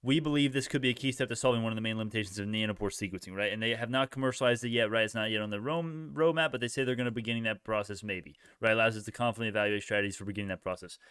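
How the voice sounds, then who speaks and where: Young male streamer, quick pace, clean close dry sound, informal bro slang, off-the-cuff market commentary. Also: on the low side, fairly bright tone, smooth, dry recording. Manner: informal bro slang, thinks aloud, repeats himself. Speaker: livestream host, retail stock trader. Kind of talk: casual live stock-chart commentary, reacting to chat.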